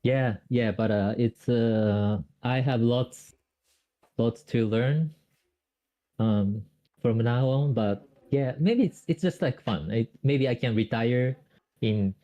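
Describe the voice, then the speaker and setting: A man's voice: mid-range voice, slow, dark tone, highs cut off. A Japanese man speaking English with a Japanese accent, explaining grammar on a call, hesitant with many fillers and restarts. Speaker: Japanese tutor.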